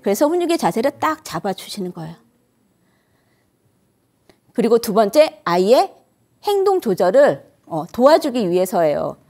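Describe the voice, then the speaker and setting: A middle-aged woman lectures grandparents on raising children. She poses questions to the room and answers them herself. Her fairly high voice rises and falls a great deal. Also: very animated, normal speed, long pauses, darkish tone. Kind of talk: instructive lecture to an audience.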